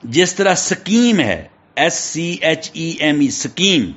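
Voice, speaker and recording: Male teacher, Pakistani accent, spells words slowly, muffled lo-fi recording. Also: fairly high pitch, sing-song, fairly bright tone, husky. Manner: spells words letter by letter, checks in with "theek hai". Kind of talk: classroom lecture. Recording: dull lo-fi recording.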